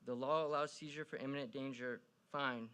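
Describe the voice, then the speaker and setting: A man's voice: mid-range voice, steady tone, brisk, sharp tone, smooth. A man reading prepared public remarks to a council in a pointed, critical, argumentative way. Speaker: public commenter at a city council meeting. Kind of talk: prepared speech, read out.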